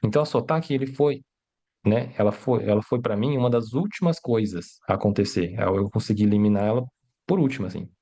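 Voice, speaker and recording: A man's voice: on the low side, lively intonation, brisk, warm tone. Man explaining with rhetorical questions. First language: Mandarin. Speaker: Mandarin teacher. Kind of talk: livestream lesson.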